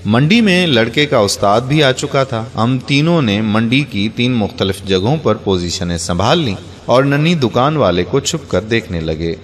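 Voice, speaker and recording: A man's voice: mid-range voice, lively intonation, few pauses. A man earnestly narrating a heartfelt first-person moral story, ending in pleading appeals to his listeners. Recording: long reverb on the voice.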